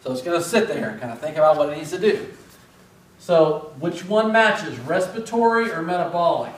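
A man's voice: fairly high pitch, expressive, a little fast. Masked man lecturing in an echoey classroom. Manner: casual, self-deprecating, asks students questions. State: speaking through a face mask. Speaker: respiratory therapy instructor. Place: large classroom with whiteboard. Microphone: far camera. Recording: echoey room from far off.

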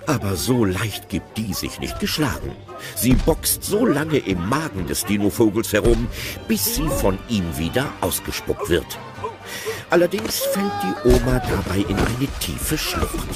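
A man narrating an audio drama in a lively storytelling manner. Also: lowish voice, a little slow. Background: music.

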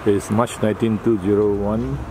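A lower-pitched man talks through a casual travel vlog. He makes brief, halting remarks as he walks around a rural train station. A camera mic picks him up over heavy outdoor noise. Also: level tone. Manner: halting, short remarks while filming. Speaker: travel vlogger.

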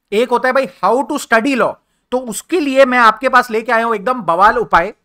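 Young Indian male tutor, casual lecture style, bright tone, code-switches constantly. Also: extremely high pitch. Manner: chatty, mixes Hindi and English, calls listeners brother. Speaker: teacher. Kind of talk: exam revision lecture.

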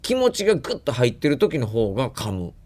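A man's voice: medium pitch, wildly swooping pitch, a little fast, a little mellow. A man with a Kansai accent in casual radio chat, a stage comedian explaining things with plenty of sound words.

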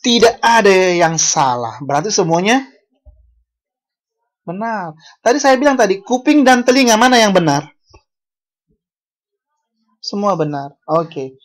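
Slow, unhurried lecturer from Bali. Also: mid-range voice, sing-song. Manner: unhurried, asks the class questions, self-correcting. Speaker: university lecturer. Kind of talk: online language lecture.

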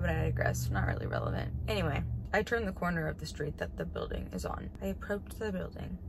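A woman's voice: medium pitch, background noise. A woman in her late twenties telling a story in a parked car, rambling and profane with sarcastic asides, filmed on a phone at arm's length. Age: 20s. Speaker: vlogger. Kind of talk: casual storytime monologue. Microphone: phone camera at arm's length.

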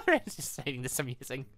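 An excitable, chatty let's player who giggles while commenting on and reading out a visual novel. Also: medium pitch, normal speed, faint music behind. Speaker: host of a game playthrough.

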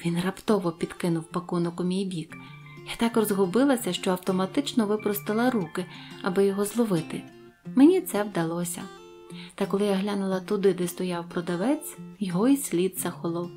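A woman narrating a Christmas fairy tale in the first person, gentle and expressive. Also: medium pitch, a little fast, soft background music. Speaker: audiobook narrator. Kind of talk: storytelling narration.

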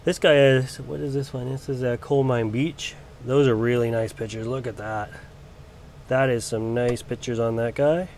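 This is a plant grower's casual vlog walk-through, filmed handheld with him off-camera in a brightly lit indoor grow area while he shakes off a cold. His medium-pitched, slightly mellow voice moves at a moderate pace with fairly even intonation, loose and rambling with ums and restarts, over slight background noise.

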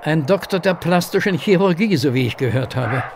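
A creaky, courteous, fussy gentleman. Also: fairly high pitch, lively intonation. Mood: courteous, confiding. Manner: polite, halting, formal. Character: courteous, fussy, hesitant Viennese gentleman informant. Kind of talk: German audio horror drama acting. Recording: faint background noise.

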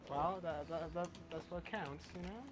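A man's voice: on the high side, moderate pace, noisy background. A man from Chile chatting casually with his teammates over game voice chat. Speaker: online teammate.

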